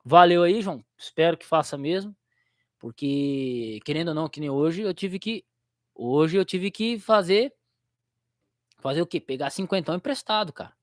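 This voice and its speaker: A man's voice: on the high side, animated, moderate pace, no room sound, clean studio sound. A young Brazilian man who teaches theology, chatting casually on his livestream in a rambling, slangy way and laughing easily.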